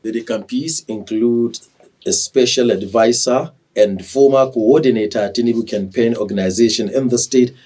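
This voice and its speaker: A Nigerian man reading scripted television news as anchor, in a formal, measured manner. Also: medium pitch, warm tone, distant mic.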